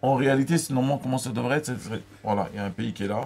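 A man's voice: medium pitch, very fast, gravelly, slightly rough. A man in his thirties, a guest on a radio talk show, talking animatedly into a studio mic and cutting in on the others. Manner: animated, talks over others, gestures while speaking. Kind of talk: casual studio chat. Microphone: studio mic on boom, headphones.

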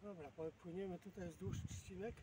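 A man's voice: high voice, fairly even intonation, moderate pace. A man in his sixties from Poland chatting casually and rambling to himself as a fishing vlogger out in a boat. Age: 60s. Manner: rambling, self-deprecating muttering to himself. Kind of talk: casual chat to camera while fishing. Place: outdoors in a boat on open water. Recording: outdoor far mic, clear background noise.

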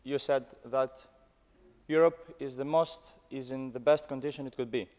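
Young greek guy, student giving his opinion, emphatic, normal pitch, echoey parliament hall. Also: steady tone, normal speed, darkish tone. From Greece. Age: young adult. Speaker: student audience questioner. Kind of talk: opinionated speech from the floor. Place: large parliament chamber. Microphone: desk microphone, standing. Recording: echoey large hall, long reverb.

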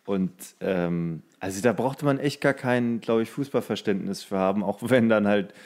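Slightly low-voiced man, casual podcaster. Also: moderate pace, a little mellow. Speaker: podcast co-host. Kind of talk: casual chat.

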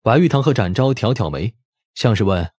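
A man's voice: fairly low pitch, lively intonation, moderate pace, a little mellow, dry recording, clean studio sound. A man reading scripted story narration expressively, as an audiobook narrator.

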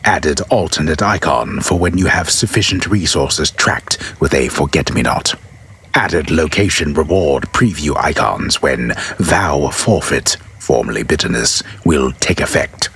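Male reader, rock-bottom register, very husky gravel, solemn theatrical delivery of scripted text. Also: extremely low pitch, measured pace, fairly bright tone. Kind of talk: dramatic reading of scripted patch notes.

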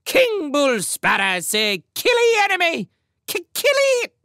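A man's voice: on the high side, big pitch swings, slow, creaky, sharp tone, breathy edge, dry recording, studio quality, pitched above the performer's own voice, heavily acted. King Bull Sparrow, shrieking bird tyrant. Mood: frenzied rage. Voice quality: shrieking, harsh. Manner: broken, clipped grammar, barking commands. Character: savage, wrathful sparrow king, shrill and bullying.

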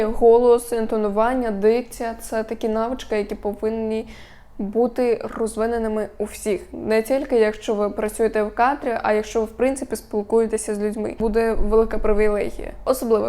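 A young woman explaining on-camera behaviour to her viewers point by point, in an instructive, steady way. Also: on the high side. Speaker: media coach vlogger.

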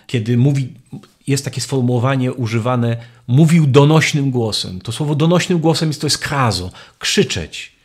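A man talks through a religious teaching at an unhurried, thoughtful pace, often restarting his phrases as he searches for the right word. His voice has a gravelly edge and a husky, slightly raspy texture. His pitch sits in an ordinary middle range. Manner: reflective, searching for words with many restarts. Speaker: lecturer on faith. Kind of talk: spoken catechesis.

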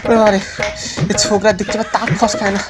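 A man's voice: sits high, level tone, quick pace, close to an everyday voice. Comic audio-drama lead: male actor as boastful youthful do-gooder, grandiose declamation, music behind. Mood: panicked. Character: boastful, zealous Bengali youth bent on doing good.

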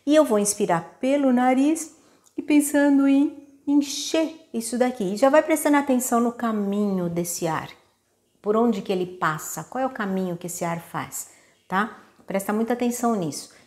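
A Brazilian woman with a somewhat high voice teaches a singing lesson. She explains breathing step by step in a patient, instructive way and keeps checking in with her listeners. She breaks off now and then to demonstrate with her own voice. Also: normal speed, darkish tone. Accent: Brazilian Portuguese.

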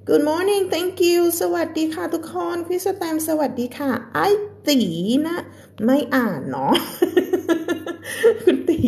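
A woman with a Thai accent teaching English on a live stream. She reads a storybook slowly and carefully, then explains it in quick, chatty Thai, laughing often and greeting viewers by name. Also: mid-range voice, darkish tone.

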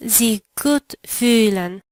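Slow, clear female drill partner. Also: on the high side, darkish tone, no echo. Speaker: language lesson co-presenter. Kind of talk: language lesson answers.

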